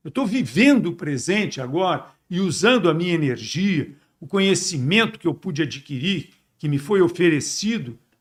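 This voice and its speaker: On a very clean recording with a silent background, a man speaks at a moderate pace with a high pitch, lively intonation and big swings in loudness. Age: 70s. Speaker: retired army general. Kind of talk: podcast interview.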